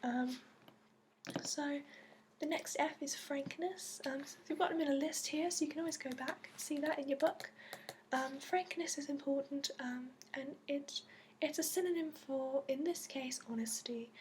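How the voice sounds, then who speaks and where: Woman as fantasy dragonology instructor, very high soft voice, put-on accent, halting, gentle ASMR delivery, audible background noise. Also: lightly acted. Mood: patient, earnest. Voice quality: soft, often slipping into whisper. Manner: hesitant, explanatory, frequent ums. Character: gentle female instructor briefing new dragon companion recruit. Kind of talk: soft-spoken ASMR roleplay.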